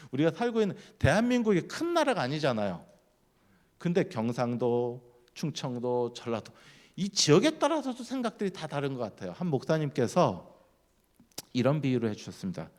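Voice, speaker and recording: A man giving a sermon at a church, keeping it lively by putting questions to the congregation. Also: fairly high pitch, normal speed. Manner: lively, keeps quizzing the congregation. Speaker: guest speaker at a church.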